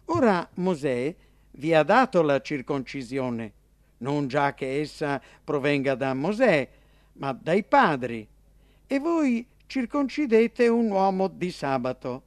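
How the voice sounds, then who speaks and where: A man's voice: a little high, big pitch swings, dry recording. A fervent male teacher speaks in a raised, ringing voice, each phrase drawn out and stressed, as a man reads him aloud. The sound is close and completely dry. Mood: impassioned. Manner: emphatic, declaiming, slow and ringing. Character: male preacher-teacher, earnest and impassioned.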